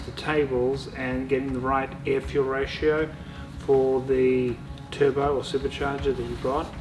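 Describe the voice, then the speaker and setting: A man with a New Zealand accent speaks at a medium pitch and a fairly slow pace. His intonation is monotone and flat, with music playing in the background. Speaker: tuning company co-owner. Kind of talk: interview.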